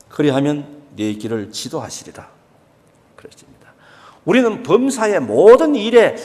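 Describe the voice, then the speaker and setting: An older man with a Gyeongsang accent preaching a sermon, emphatic and repetitive, acting out everyday speech. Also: a little high. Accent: Gyeongsang Korean. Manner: emphatic, repeats key phrases, acts out everyday speech. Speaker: pastor. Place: church sanctuary. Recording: long church reverb.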